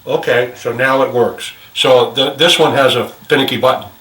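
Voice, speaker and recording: A man talking through a hands-on repair casually, thinking aloud in a careful, halting way as he works. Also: medium pitch, fairly even intonation. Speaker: volunteer repairer demonstrating a fix. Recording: roomy, distant mic, faint noise.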